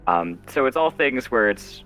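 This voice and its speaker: A man chatting casually as an interview guest, halting and self-deprecating as he explains his writing work. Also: mid-range voice, very animated, fairly bright tone, faint music behind, poor audio. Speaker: guest author and zine editor.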